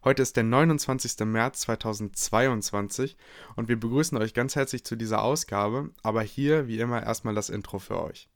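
A man co-hosting a podcast in casual chat, cracking deadpan jokes and absurd asides. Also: medium pitch, normal speed, no echo, studio quality. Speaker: podcast co-host.

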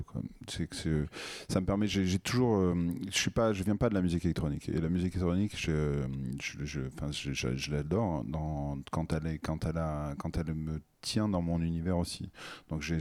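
A man's voice: low-pitched, mellow. A man, a guest DJ, chatting on the radio, groping for words with many restarts. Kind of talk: casual radio chat.

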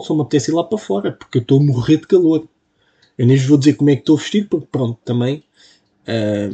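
A man's voice: a little high, warm tone, husky. A young man with a European Portuguese accent hosting a casual solo podcast, rambling and poking fun at himself. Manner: rambling, self-mocking, full of fillers. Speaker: podcast host. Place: home room at a computer. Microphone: computer mic.

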